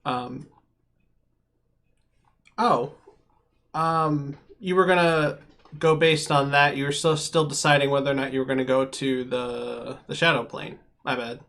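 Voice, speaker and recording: A man's voice: mid-range voice, fairly even intonation, unhurried, pauses often, a bit bright. A man acting as game master in an online tabletop game, talking with many ums and restarts over a home voice-call mic. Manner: hesitant, filler-heavy narration.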